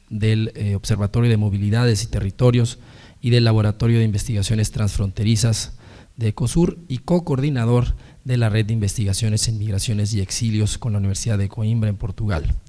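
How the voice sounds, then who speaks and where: A man with a hoarse, sepulchral voice from being unwell moderates an academic book presentation, halting often and repeating words. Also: on the low side, dark tone. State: hoarse from illness. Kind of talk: formal academic introduction, partly read out.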